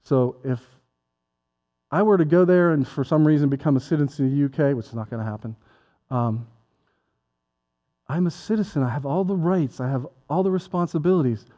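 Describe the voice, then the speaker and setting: A man's voice: fairly high pitch, a little fast, pauses often, mellow. A man preaching a sermon as pastor, talking conversationally and joking with people in the congregation. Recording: dull lo-fi sound with long hall reverb.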